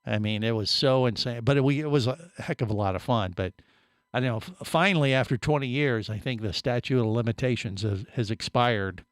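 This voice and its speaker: A man's voice: mid-range voice, fairly quick, clean tone, dry recording. A middle-aged man hosting a radio show in a studio, telling stories in casual, joking banter. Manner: joking, rambling storyteller.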